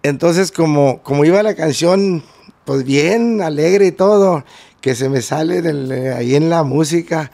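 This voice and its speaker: A man's voice: on the high side, unhurried, warm tone. A man telling rambling anecdotes as a guest musician in a casual interview, full of fillers and restarts. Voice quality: gravelly.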